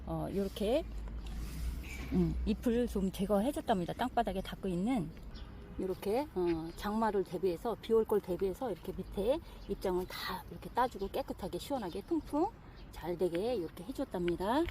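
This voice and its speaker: Mellow-voiced woman touring her garden. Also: medium pitch, expressive, moderate pace, a little hiss or hum. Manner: chatty and admiring, many soft fillers. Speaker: gardening vlogger. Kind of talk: casual garden walk-through. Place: outdoor flower garden.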